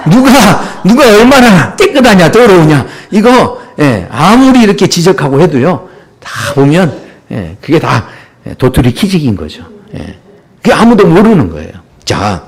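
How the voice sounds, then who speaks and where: A male pastor delivering a Sunday sermon with a lively, swinging pitch and a voice that sits a little high for a man. He talks conversationally and with humor, often pausing for short asides to the congregation. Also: slightly rough.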